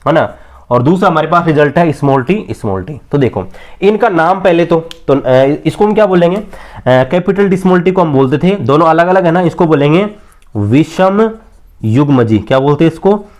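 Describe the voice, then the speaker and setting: A man's voice: fairly high pitch, expressive, fairly quick, a little mellow. A man teaching an exam-prep biology lesson at a board, quizzing students and answering his own questions, stretching key terms word by word.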